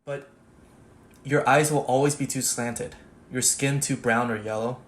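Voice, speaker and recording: Man narrating over static, mid-pitched. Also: fairly even intonation, unhurried. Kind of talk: scripted dramatic narration.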